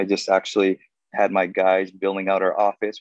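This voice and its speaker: With a Hawaiian accent, a man talks at a moderate pace and a fairly low pitch. The sound is dry with no echo, and the background is quiet. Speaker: real estate investor. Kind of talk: networking talk presentation. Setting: video call. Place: home room. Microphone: phone near.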